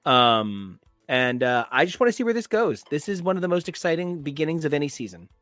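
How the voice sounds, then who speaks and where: A man's voice: fairly high pitch, fairly quick, no echo, faint music behind. A man co-hosting a pop culture podcast, chatting casually and gushing about shows, with lots of fillers. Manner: animated and gushing, with frequent fillers. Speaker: podcast co-host. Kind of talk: casual chat.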